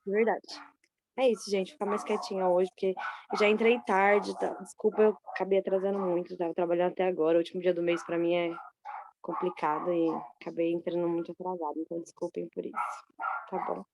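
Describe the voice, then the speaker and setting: A woman's voice: lowish voice, little pitch movement, fast, background noise. A woman sharing a personal testimony in a study group over a video call, talking hesitantly and often correcting herself. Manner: hesitant, self-correcting, candid.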